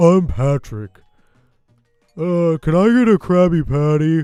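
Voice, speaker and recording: At a fairly slow pace, the voice is a put-on character voice. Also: man, fairly high pitch for a man. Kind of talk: comic, casual. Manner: dim-witted, simple.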